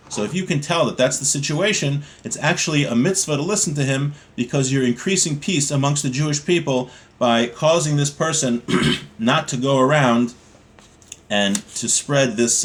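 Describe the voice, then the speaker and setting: A man teaching a class on Jewish law, reading short passages and explaining them in plain, calm English, often repeating key points. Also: medium pitch. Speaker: Torah teacher. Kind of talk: text study class, reading Hebrew then explaining in English.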